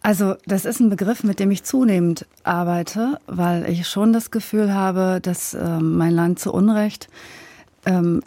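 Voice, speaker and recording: A woman being interviewed as a guest in a radio studio, speaking earnestly and often pausing with fillers as she searches for words. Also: on the low side, warm tone, no echo.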